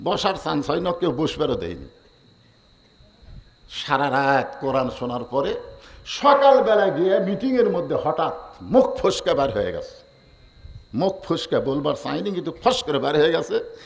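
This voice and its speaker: High-pitched, animated preacher shouting. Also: male voice, moderate pace, gravelly, long pauses. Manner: swings between low storytelling and loud shouted exhortation; asks the crowd to answer back. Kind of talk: waz sermon.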